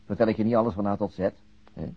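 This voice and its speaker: An actor playing an awkward, evasive middle-aged male police detective in a naturalistic radio play, hesitant and halting. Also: lowish voice, fairly even intonation, breathy edge. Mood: tender, defensive. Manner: hesitant, halting, repeats words. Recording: dull lo-fi radio recording.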